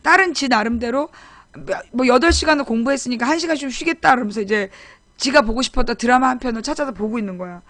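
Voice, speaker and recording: A woman's voice: high voice, a bit bright, dry recording. A woman in her forties hosting a talk show, animatedly telling family stories and acting out quotes. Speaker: host. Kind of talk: casual storytelling chat.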